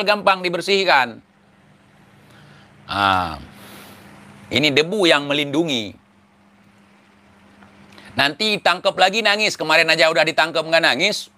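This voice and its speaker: A man's voice: medium pitch, sharp tone. A man from Aceh, giving mocking, sarcastic commentary. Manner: mocking, teasing, laughs at his targets. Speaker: online commentator.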